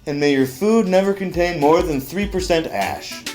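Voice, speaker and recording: A man's voice: fairly high pitch, lively intonation, moderate pace, music in the background, lightly acted, rough recording. A man playing an exasperated, mock-formal host of a comedy cat talk show. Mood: formal, strained.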